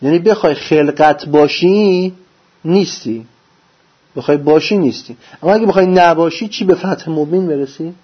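A man delivers a religious lecture in a slightly high, husky voice. He preaches with lively rhetorical questions and answers each one himself. The recording sounds dull and lo-fi. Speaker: religious teacher.

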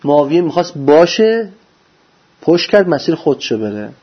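A man giving a religious lecture, preaching with lively rhetorical questions and answering them himself. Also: on the high side, breathy edge. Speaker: religious teacher. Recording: dull lo-fi recording.

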